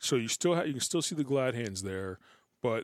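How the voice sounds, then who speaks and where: Over a very clean recording with a silent background, a man at a medium pitch speaks with lively intonation at a moderate pace in a plain, everyday voice. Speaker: podcast co-host with trucking knowledge. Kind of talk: casual chat. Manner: playful, jokey.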